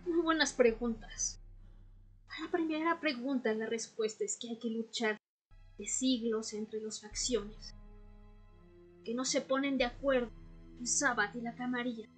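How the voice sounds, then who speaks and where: A woman playing a patient, enigmatic vampire scholar in a radio drama, speaking in a measured, solemn way. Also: a little high, fairly even intonation, husky, faint music behind. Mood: instructive, measured. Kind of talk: Spanish-language amateur radio drama acting.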